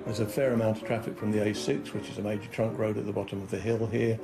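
A man in his sixties explaining plainly in a measured, matter-of-fact way with ums, on a lapel mic. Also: fairly low pitch, level tone, loud music behind the voice. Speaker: house-hunting guest. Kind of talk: interview chat. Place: indoors at home, then outdoors in a field.

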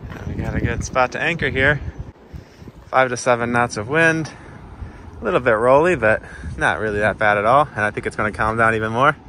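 A man's voice: mid-range voice, a little fast, pushed and bright. A man in his thirties chatting casually and easily, like a solo sailing vlogger filming himself outdoors on his boat. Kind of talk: casual vlog narration. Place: outdoors on a small sailboat at sea. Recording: noisy boat outdoors, engine and water. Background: boat and water noise.

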